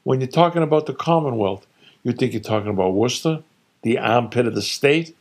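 A man's voice: medium pitch, animated, a little mellow, pitched above the performer's own voice, lightly acted. A man doing his blustering old father. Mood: scornful. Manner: blustering, dismissive, rattling off rapid-fire insults. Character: opinionated older father boasting about his home state. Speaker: narrator voicing his father.

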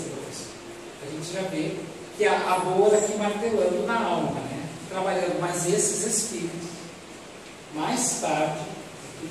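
A Brazilian man speaks in a high voice as he teaches at a religious talk. He repeats his phrases and puts rhetorical questions to his listeners. The sound is picked up from far off in a strongly reverberant hall, with clear background noise. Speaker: speaker at a spiritist lecture. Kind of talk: expository religious lecture to an audience. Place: medium-sized meeting room, indoors. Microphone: distant audience camera. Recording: echoey hall, distant microphone, loud noise.

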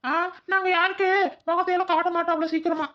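Squeaky veiled stranger's voice. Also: female voice, little pitch movement, quick pace, dull audio. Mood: evasive. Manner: squeaky, evasive, put-on. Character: evasive veiled stranger woman, a disguised daughter-in-law's false voice. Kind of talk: cartoon comedy dialogue.

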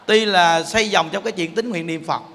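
Male Buddhist preacher, Southern Vietnamese accent, high pitch, emphatic and teasing, long hall reverb. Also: brisk, bright, forceful tone. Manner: emphatic, playful, asks the audience rhetorical questions. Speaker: Buddhist teacher. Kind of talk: Buddhist sermon.

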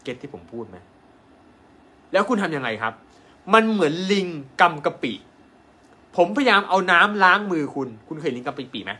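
Animated Thai man pitching his course. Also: normal speed, long pauses, breathy edge. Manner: animated and emphatic, asks viewers rhetorical questions. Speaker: acupuncture doctor selling an online course. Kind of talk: live-stream sales pitch.

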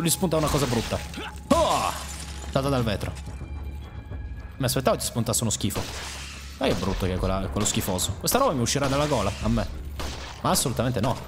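A young man talks through a game as a let's play host, cursing and mocking the enemies on screen. His voice swings widely in pitch, jumping to high yelps when something surprises him. Game music plays clearly underneath. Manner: excitable, swears and mocks enemies, jumps to high yelps. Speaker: gaming YouTuber.

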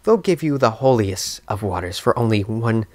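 A man's voice: lowish voice, expressive, normal speed, pitched below the performer's own voice, natural voice. A man voicing an earnest, rambling cartoon cup in a comic dub, grandiose and repetitive like a salesman.

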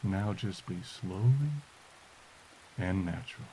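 A man softly and slowly guiding a meditation as podcast host, in a soothing delivery. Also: sits low, lively intonation, low-quality recording. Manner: soft, slow, soothing delivery. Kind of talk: guided meditation. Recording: hiss and rain noise. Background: rain.

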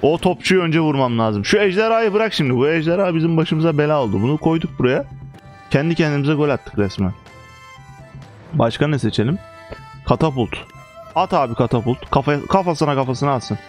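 A young man giving casual, excitable gameplay commentary, chanting quick commands at his units and joking about how the battle goes. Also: a little high, faint music behind. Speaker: gaming YouTuber.

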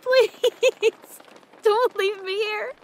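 A woman voicing a frightened prisoner in a sci-fi audio drama, weary and hushed, breaking into frantic pleading when she is left behind. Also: extremely high pitch, steady tone, drawn-out words, a little hiss or hum.

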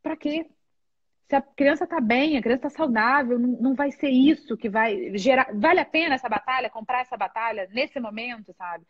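A woman with a Brazilian Portuguese accent talks through a live video call. Her voice sits high and a little husky, and she speaks candidly and openly. The sound is dry and dull, like a lo-fi stream. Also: moderate pace, dry recording. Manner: candid and expressive, with frequent laughs. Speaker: guest in a live chat. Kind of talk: casual live video chat.

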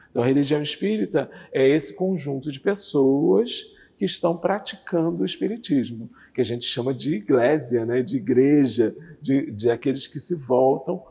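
A man in his fifties, a guest on a TV interview, calmly explaining a religious doctrine with lively hand gestures, on a lapel mic in a curtained studio. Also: medium pitch, husky, long reverb tail. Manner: animated, gestures with both hands while talking. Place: TV studio with red curtain backdrop.

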